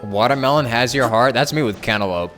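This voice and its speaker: A man's voice: medium pitch, brisk, a bit bright, soft background music. A man live streaming a video game, chatting casually and reading aloud in an offhand way. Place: indoors, streaming with game music behind.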